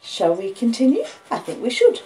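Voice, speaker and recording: A woman with an Australian accent chats casually as host of a livestreamed book reading, rambling along with halting pauses. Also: on the high side, wildly swooping pitch, dark tone. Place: front room of a house with street noise. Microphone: phone and an old laptop. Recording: noisy home phone recording. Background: street noise, house creaks, puppy, lo-fi beats.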